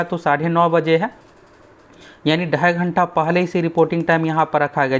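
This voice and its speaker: Man briefing students on an exam. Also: fairly high pitch. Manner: talks straight to students, keeps repeating "dekhiyega"; pushes his course and app. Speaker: exam coaching teacher. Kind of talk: explainer video on exam updates.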